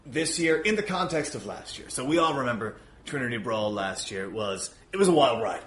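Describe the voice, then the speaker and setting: Casting: man, average pitch, wry showman promoting casually, repeats himself, recorded in a roomy, echoing space. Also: animated, fairly quick, fairly bright tone. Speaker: podcast guest, event promoter. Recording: roomy echo, faint background noise.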